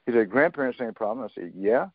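A man in his seventies speaks as a radio guest over a tinny phone line with a dry sound. He talks haltingly, with many fillers and restarts, and retells conversations as dialogue. His pitch sits in the middle range for a man. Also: lively intonation, no echo. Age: 70s. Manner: storytelling, quoting others in dialogue. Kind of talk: interview on a talk radio show.

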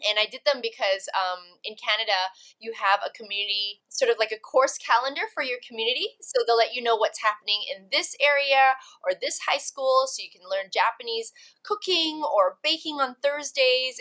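A woman's voice: on the high side, moderate pace, bright, forceful tone, rough recording. A woman guest on a podcast interview, chatting about her career with frequent laughs and fillers. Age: adult, career of over two decades. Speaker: podcast guest, actress and TV host. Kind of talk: casual interview chat.

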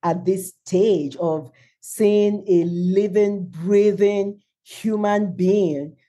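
A woman hosting a podcast, asking her guest questions in a slow, gentle manner. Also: medium pitch. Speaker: podcast host. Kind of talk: interview questions.

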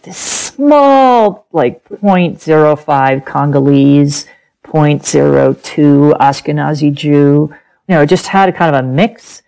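Gravelly-voiced woman telling her family story. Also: sits low, low-quality recording. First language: German. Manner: animated, laughs often, acts out quoted speech. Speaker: podcast guest, author. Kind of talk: personal storytelling in an interview.

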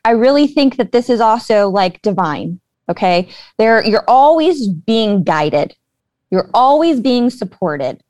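A woman's voice: fairly high pitch, sing-song, a little slow, darkish tone, dry recording. A woman guest earnestly explaining her beliefs in a casual conversation, with many fillers. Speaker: guest, spiritual intuitive.

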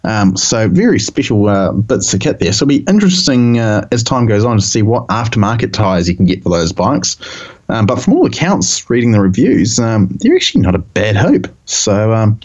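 Man, New Zealand accent, lowish voice, relaxed rambling chat, dull lo-fi recording. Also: normal speed. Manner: laid-back, rambling, many um fillers. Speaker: podcast co-host. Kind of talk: casual chat. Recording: dull lo-fi sound.

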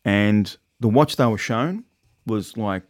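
A man's voice: on the low side, takes it slowly. A man with an Australian accent chatting casually as a podcast co-host, in a laid-back, colloquial way. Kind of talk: casual chat.

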